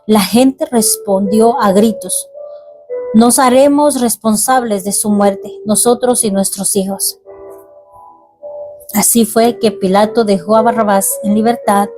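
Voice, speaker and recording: A woman's voice: mid-range voice, steady tone, dark tone. Earnest woman reading scripture over music. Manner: reads aloud then reflects in halting, earnest commentary. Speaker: ministry teacher. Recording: faint music behind.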